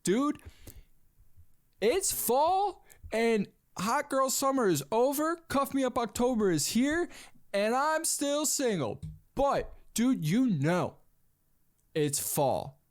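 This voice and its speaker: Animated rambling man in his twenties. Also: very high voice, takes it slowly. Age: 20s. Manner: rambling, animated, says "dude" a lot. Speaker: podcast host. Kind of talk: casual solo podcast monologue.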